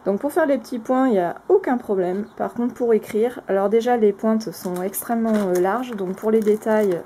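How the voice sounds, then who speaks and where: A woman's voice: mid-range voice, normal speed, mellow, a little hiss or hum. A woman casually reviewing craft products on camera, speaking frankly with lots of hesitant filler sounds and restarts. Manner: frank, plainly spoken opinions.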